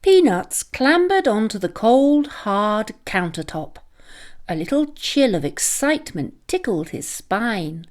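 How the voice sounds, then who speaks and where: A woman reading a scripted children's story aloud as a dramatic, expressive storyteller. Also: mid-range voice.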